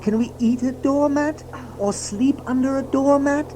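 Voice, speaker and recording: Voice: high-pitched, unhurried, dark tone, slight background noise. An actor playing a grumbling but good-natured mole in a children's audio drama, emphatic in delivery. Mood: indignant.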